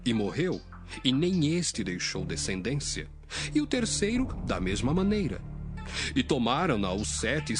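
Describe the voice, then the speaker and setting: A Brazilian man playing a Sadducee posing a tricky riddle in a theatrical, sing-song way in a dramatized audio Bible. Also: a little high.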